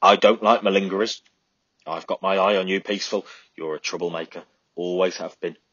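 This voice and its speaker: A man's voice: low-pitched, flat delivery, brisk, a bit bright, husky, no room sound. A man voicing a snarling, bullying army sergeant who threatens the soldiers, in a storybook reading. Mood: menacing. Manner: snarling, menacing. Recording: dull lo-fi recording.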